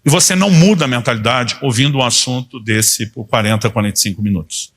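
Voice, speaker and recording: Pastor in his fifties, husky, mid-pitched, preaches like he's chatting and voices the people in his anecdotes. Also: fast talker, a bit bright. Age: 50s. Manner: conversational preaching, acting out quoted dialogue. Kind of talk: sermon.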